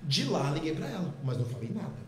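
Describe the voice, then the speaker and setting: A middle-aged man, a podcast guest, telling a personal testimony in a lively way and acting out the dialogue. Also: a little high, fast talker, a little hiss or hum. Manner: lively, acts out quoted dialogue. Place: podcast studio. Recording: echoey room.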